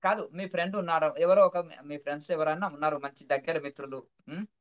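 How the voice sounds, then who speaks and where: A man's voice: fairly high pitch, fairly even intonation, fast, a bit bright, dull audio. A man, a spiritual teacher who explains his points patiently through a parable, repeating phrases and checking that the listener understands.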